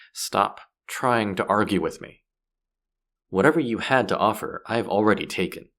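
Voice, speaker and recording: Man playing a gruff, low-voiced sardonic space pirate. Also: unhurried, a bit bright. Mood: exasperated, defensive. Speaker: voice actor. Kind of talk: scripted audio roleplay, one-sided dialogue to listener.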